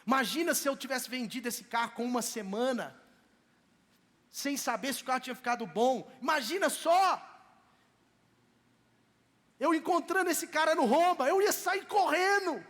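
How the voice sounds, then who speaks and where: A male pastor with a Brazilian Portuguese accent from Minas Gerais preaches a sermon in a very high voice. He talks to the congregation in a conversational, storytelling way. His words ring out with the long reverb of a church sanctuary. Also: normal speed, pauses often, a bit bright.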